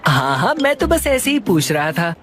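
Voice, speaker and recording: A voice actor playing an excitable young neighbor husband in a cartoon dub, eager and chatty. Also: medium pitch, moderate pace, very noisy, lightly acted. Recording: cartoon dub over loud music. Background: loud background music.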